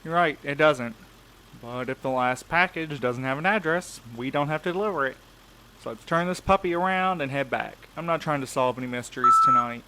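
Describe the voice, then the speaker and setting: A man's voice: mid-range voice, a little fast, bright, forceful tone, slight background noise, lightly acted, rough recording. A man playing a wary, sarcastic night courier in an audio drama, with a wry, informal way of talking. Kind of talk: naturalistic audio drama acting.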